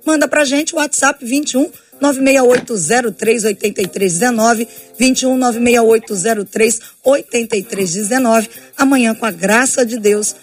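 A woman co-hosts a radio show, earnestly inviting listeners to write in, with a fairly high voice. Faint music plays underneath. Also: normal speed, few pauses. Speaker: radio co-host. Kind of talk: radio announcement.

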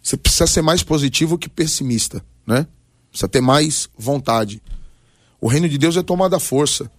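A man's voice: a little high, animated, normal speed, no echo, clean studio sound. A Brazilian man in his forties, a pastor giving personal testimony and exhortation on a talk programme in short, emphatic, preacherly phrases. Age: 40s. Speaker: pastor, guest on a radio debate.

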